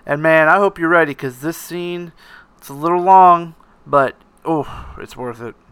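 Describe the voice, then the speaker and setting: A man's voice: a little high, unhurried, a bit bright, clean tone. A man hosting a casual film recap, rambling along, laughing often and swearing freely. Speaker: podcast host recapping a film.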